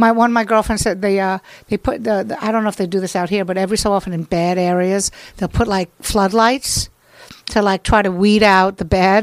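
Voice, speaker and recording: With a New York accent, a woman talks at a fairly quick pace at medium pitch, her intonation fairly even. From New York, Brooklyn. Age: 60s. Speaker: stand-up comedian. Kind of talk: casual chat.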